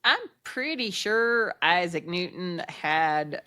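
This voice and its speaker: A woman's voice: on the low side, animated, takes it slowly, bright, forceful tone, clean tone. A woman hosting a casual podcast chat, speaking in a blunt, informal way. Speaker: podcast host.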